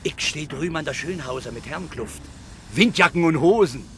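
A slippery little Berlin street trader, chummy and wheedling. His voice sits fairly high and swings animatedly, with clear traffic noise around him, as in a radio play. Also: expressive, brisk. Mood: breezy. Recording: loud street traffic behind the voice. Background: cars, outdoor city street.

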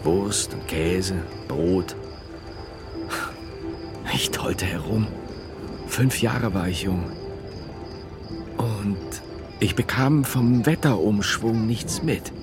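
Slow-speaking, haunted medieval monk. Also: male voice, fairly low pitch. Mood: wistful. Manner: measured, fragmentary, poetic storytelling. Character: medieval Italian monk recalling his childhood, grave, haunted. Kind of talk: dramatic first-person monologue. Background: music.

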